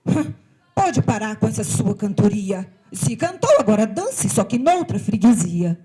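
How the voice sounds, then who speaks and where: A woman from voicing a stern, hardworking female ant who barks orders in a scolding, brisk way. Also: medium pitch, sing-song, breathy edge. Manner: scolding, brisk, loud commands.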